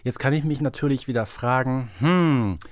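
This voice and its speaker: A man's voice: mid-range voice, normal speed, no echo, clean studio sound. A man co-hosting a podcast, talking conversationally and a little wryly in a casual discussion. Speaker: podcast co-host.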